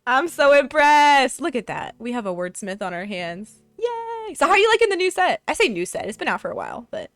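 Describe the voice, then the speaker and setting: A woman's voice: high-pitched, big pitch swings, fairly quick, few pauses, dry recording. A young adult woman with an American accent hosting a casual chat show, bubbly, giggly and playful. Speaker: host. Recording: faint background music.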